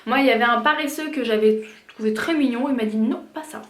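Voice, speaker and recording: A woman's voice: on the high side, fast. A woman from France in her thirties, chatting casually through a shopping haul with lots of fillers and hesitations. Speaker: vlogger. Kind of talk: casual product haul chat. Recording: echoey room, faint noise.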